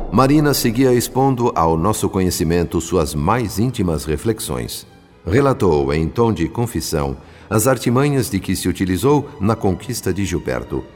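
An actor playing a solemn spirit narrator in a radio drama, with grave, formal, literary delivery. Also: male voice, low voice, a little mellow. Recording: long reverb with music behind. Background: music.

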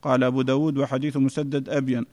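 A man reading a classical text aloud to a class in a steady recitation, recorded in an echoey hall. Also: mid-range voice, very fast. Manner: steady recitation in a level chant.

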